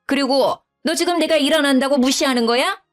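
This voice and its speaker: Woman putting on a shrill scolding mother-in-law. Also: a little fast, faint music behind, close to an everyday voice. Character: nagging domineering older mother-in-law.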